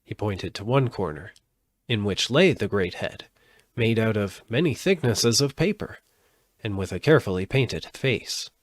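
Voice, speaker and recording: A man giving an expressive live reading of a storybook as narrator. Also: lowish voice, unhurried, dry recording, clean studio sound. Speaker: audiobook narrator.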